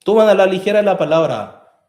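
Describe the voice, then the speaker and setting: A man preaching a sermon as pastor, earnest and rising to forceful emphasis. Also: high voice, expressive, a little fast, echoey room. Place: church hall.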